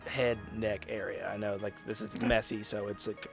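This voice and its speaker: A man's voice: lowish voice, fairly even intonation, moderate pace, vocal fry, music in the background. Jokey male tabletop player. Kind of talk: casual tabletop game play.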